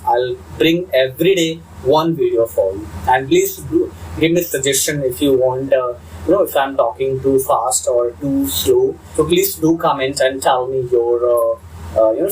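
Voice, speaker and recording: A young man with an Indian accent telling his own story unscripted as host of his channel, halting with many fillers and restarts. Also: medium pitch, a little mellow. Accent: Indian English. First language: Hindi. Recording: distant mic with faint ambient noise.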